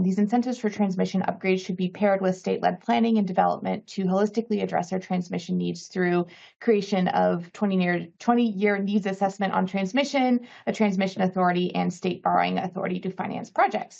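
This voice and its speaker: Woman advocate, mid-pitch, some fry, muffled lo-fi recording. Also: darkish tone. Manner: polished, prepared. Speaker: advocacy group testifier. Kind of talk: public testimony.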